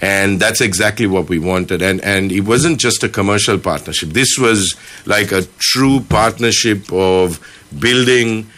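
A man from Sri Lanka talks in a radio studio as a company director, his voice sitting low yet with a crisp, forceful brightness. He speaks in a measured way and fills his pauses often with "um" and "uh". A studio microphone picks him up closely. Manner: measured, with many filler pauses. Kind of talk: radio interview guest.

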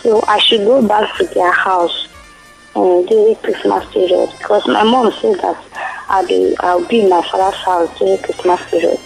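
A woman's voice: medium pitch, fairly even intonation, moderate pace, creaky, faint music behind, rough recording. A woman with a Nigerian Igbo accent calling in over the telephone, telling a personal account in a conversational way. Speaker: phone-in caller.

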